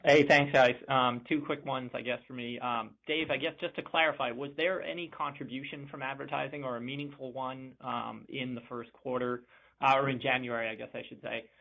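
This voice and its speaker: A man's voice: mid-range voice, steady tone, fairly quick, gravelly. A man asking questions as a financial analyst on a conference call, casual and tentative. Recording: narrow phone line.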